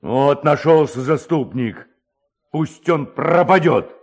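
A man's voice: on the high side, animated, full character voice. A man voicing a bossy village headman, stern and indignant, in a storybook reading. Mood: angry, menacing. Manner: stern, indignant, slow menacing delivery.

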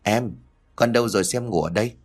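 Give me a caring young husband, calm and reassuring, in a low voice, as a narrator puts him on. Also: male voice, fast, creaky, faint music behind.

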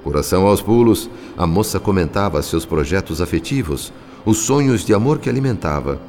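A man's voice: low voice, lively intonation, a little fast, darkish tone, a little hiss or hum. A man with a Brazilian accent giving solemn, literary, scripted narration for a radio soap opera. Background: background music.

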